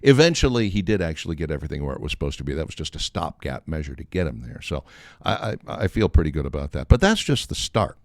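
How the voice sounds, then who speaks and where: Older man, deep and animated. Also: fast talker, no echo, clean studio sound. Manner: animated, acts out quoted dialogue. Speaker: storyteller on a talk show. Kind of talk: casual humorous anecdote telling.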